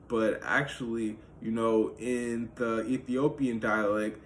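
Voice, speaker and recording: A man's voice: medium pitch, little pitch movement, takes it slowly, a little hiss or hum. A man talking through history in a loose, casual monologue, full of "like" and "you know" fillers. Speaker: history video host.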